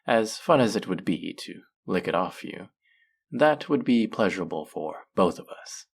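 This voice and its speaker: Guy doing a smug bossy male faerie, gravelly n husky, sultry teasing, audio roleplay. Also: low voice, animated, exaggerated voice. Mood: smug, commanding. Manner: teasing, drawn-out, mock-scolding, sultry. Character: teasing male faerie trickster, smug, dominant, playfully stern. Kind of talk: intimate roleplay audio drama.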